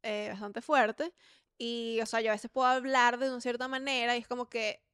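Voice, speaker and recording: Venezuelan woman chatting on a podcast, acts out her stories, higher voice, dry sound. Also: normal speed, clear, resonant tone, dry recording. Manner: animated storyteller, acts out quoted lines. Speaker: podcast co-host. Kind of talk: casual chat.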